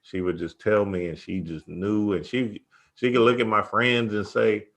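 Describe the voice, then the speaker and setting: A man in casual conversation, telling personal anecdotes in an informal, somewhat halting way. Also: fairly low pitch, fairly even intonation, vocal fry, a bit bright. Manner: halting, informal, peppered with "you know". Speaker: host.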